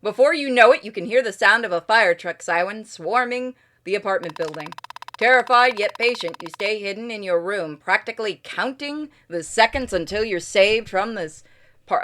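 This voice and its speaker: A woman streamer narrates a game story aloud. Her voice is mid-pitched and bright, with a forceful edge. Some faint noise sits behind her. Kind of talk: dramatic read-aloud game narration with candid reactions.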